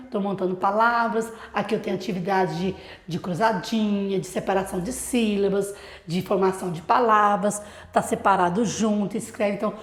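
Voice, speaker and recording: A woman's voice: a little high, echoey room. A woman literacy teacher with a Brazilian accent, explaining a classroom routine to other teachers and asking rhetorical questions.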